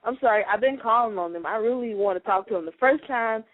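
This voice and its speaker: A man's voice: high voice, quick pace, dry recording. A man calling in and telling a story in a rambling, earnest way, acting out what people said. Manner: earnest, rambling, acts out quotes. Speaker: caller. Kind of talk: casual storytelling. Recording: tinny phone line with faint hiss.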